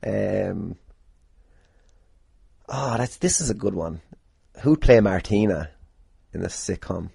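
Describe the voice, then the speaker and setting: A low-voiced Irish man talks casually on his own podcast, recorded close and dry. His tone is mellow and a bit rough, and he rambles along jokily, swearing freely as he answers questions. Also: lively intonation, slow pace, pauses often, no room sound. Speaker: podcast host, pro wrestler.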